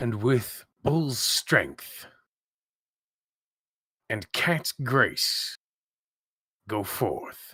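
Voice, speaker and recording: Speaking very slowly with long, frequent pauses, a man puts on a character voice at a medium pitch, recorded very cleanly against a silent background. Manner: whispering.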